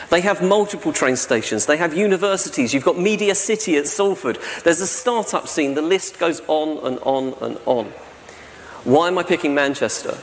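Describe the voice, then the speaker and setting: A man in his forties gives a conference talk from a lectern mic, chatty and self-deprecating, often tagging on "right?". His voice sits a little high for a man. The big hall adds a long reverb and a faint hiss behind him. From South-East England. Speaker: conference speaker. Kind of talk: presentation talk. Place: large dark hall on a stage with projection screen. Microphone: stand mic at lectern.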